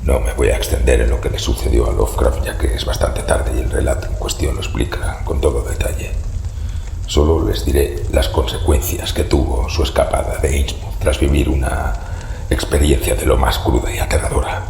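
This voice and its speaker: Un actor que interpreta a un hombre mayor, siniestro y cortés, de linaje maldito, con voz rasposa y tono solemne en una audioserie de terror. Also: male voice, rumbling low, fairly even intonation, darkish tone, full character voice. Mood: grave, ominous. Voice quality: gravelly, rasping, breathy. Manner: slow, formal, ominous storytelling. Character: sinister older man descended from cursed fish-like cultists, grave, courteous. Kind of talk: horror audio drama acting. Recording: echoey reverberant room, faint noise.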